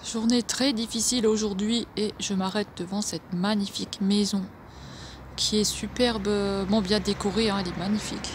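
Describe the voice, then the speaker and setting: A woman's voice: medium pitch, fairly even intonation, normal speed, noisy background. A woman vlogging casually at home, chatting to the camera and talking to her pets in a sing-song voice. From France. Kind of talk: casual vlog chat.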